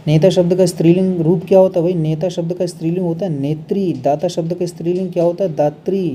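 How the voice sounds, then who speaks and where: Man teaching grammar, very dark mellow voice, a bit high, step by step, faint background noise. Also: steady tone. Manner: explains step by step, often adds "bhai" and "hai na"; drawn-out, slow when showing pronunciation. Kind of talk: exam revision lesson.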